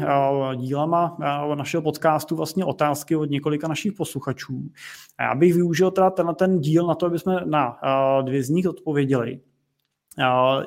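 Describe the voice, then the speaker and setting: Man, podcast host, slightly higher voice, casual explaining, lots of fillers. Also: darkish tone. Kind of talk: casual podcast talk about investing.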